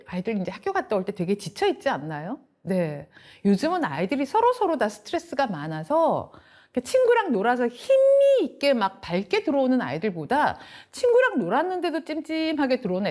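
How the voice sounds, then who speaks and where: A woman lecturer and youth counselor giving an online adult-education talk to parents, speaking in a lively, engaging way. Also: mid-range voice.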